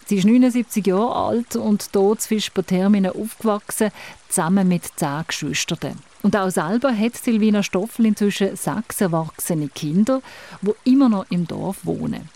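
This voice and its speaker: A woman's voice: mid-range voice, normal speed, vocal fry, mellow. A Swiss German woman hosting a radio show, asking layered questions and narrating between the talks. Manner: probing, asks layered questions. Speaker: radio host.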